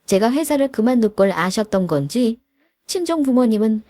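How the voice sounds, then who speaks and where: A woman in her thirties tells a first-person story in a confiding tone. Her voice rises and falls in a lively way, a touch high. It is recorded close and dry. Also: moderate pace, no echo. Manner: confiding, addresses listener with questions. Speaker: narrator.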